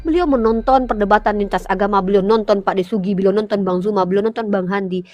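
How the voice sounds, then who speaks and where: A woman's voice: mid-range voice, quick pace, darkish tone, no echo. A woman, a Muslim apologetics speaker, giving an impassioned religious exhortation, fervent and pleading, addressing listeners as brothers in faith. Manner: fervent, pleading, rising to emotional peaks.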